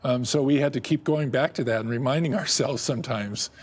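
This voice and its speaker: A middle-aged man answering interview questions about his work and family, speaking haltingly with frequent restarts and soft chuckles. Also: medium pitch. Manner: halting, many restarts and repeated words; chuckles often. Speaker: guest, ministry director.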